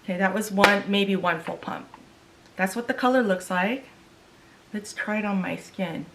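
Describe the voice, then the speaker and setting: A middle-aged woman talks her way through a makeup test in a relaxed, chatty vlog. Korean is her first language, and she often trails off hunting for a word before starting again. Her voice sits at an everyday middle pitch. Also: normal speed, background noise. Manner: chatty, loses words and restarts. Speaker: beauty vlogger. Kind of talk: casual makeup tutorial chat.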